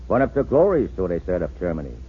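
A man's voice: low voice, big pitch swings, fast talker, breathy edge, phone-quality sound, heavily acted. An actor playing the courteous, dignified ghost of a male German poet, formal and wounded, in 1940s radio style on an old recording. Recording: old thin radio recording, faint noise.

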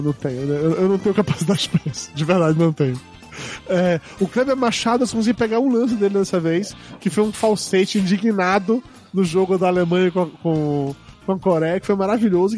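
High-voiced hoarse man, jokey podcast host. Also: mellow, soft background music. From Brazil. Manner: joking, quick to laugh at himself. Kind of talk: casual chat.

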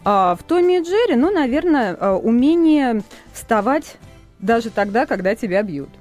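Mellow-voiced woman psychologist. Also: a little high, very animated, moderate pace, faint music behind. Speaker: psychologist guest. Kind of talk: radio studio discussion.

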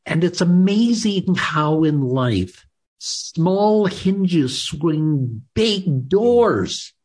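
Slow, husky, lively-pitched male host. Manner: slow, emphatic, swinging from loud to soft. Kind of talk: interview hosting.

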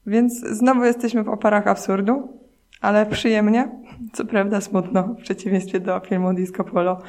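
Lady podcast host chatting about books, lots of ums, mid pitch. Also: flat delivery, normal speed, darkish tone. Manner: chatty, with frequent hesitation fillers. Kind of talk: casual book chat and reading.

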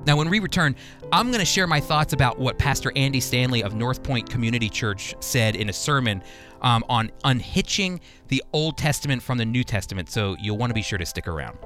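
A man's voice: medium pitch, animated, brisk, music in the background. An American man hosting a Christian radio program, teaching in a conversational preaching style with earnest, emphatic phrasing. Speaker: radio host and Bible teacher. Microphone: close studio microphone.

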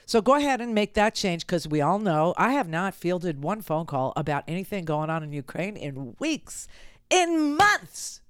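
A woman's voice: fairly low pitch, expressive, moderate pace, hardly any pauses, clear, resonant tone, dry recording, studio quality. A middle-aged woman hosting political talk radio, speaking bluntly and sardonically and repeating phrases for emphasis. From United States. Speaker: radio talk show host.

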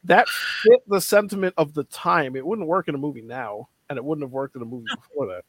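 A man co-hosting a casual film discussion, opinionated and energetic in his arguments. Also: fairly high pitch, fairly quick, slightly rough, no echo. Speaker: podcast co-host.

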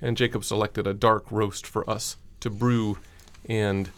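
A man's voice: lowish voice, flat delivery, unhurried, a bit bright, clean tone. A man with a Southern American accent co-hosting a podcast in a jokey, rambling way, laughing often. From Southern United States. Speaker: podcast co-host. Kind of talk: casual chat.

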